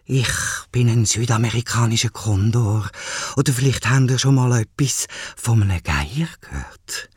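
A man with a Swiss German accent voicing a proud, boastful male condor in low, hushed, drawn-out tones. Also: husky, no echo, studio quality.

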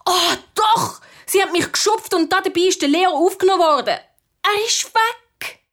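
A woman playing a feisty high-voiced girl. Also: a bit bright. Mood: upset. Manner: feisty, quick to flare up. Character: girl Sophie, stubborn and excitable. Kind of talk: children's radio play acting.

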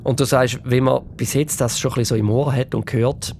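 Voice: medium pitch, fairly even intonation, a little fast, darkish tone, slight background noise. A quiz host with a Swiss German accent, upbeat and encouraging on a children's radio quiz.

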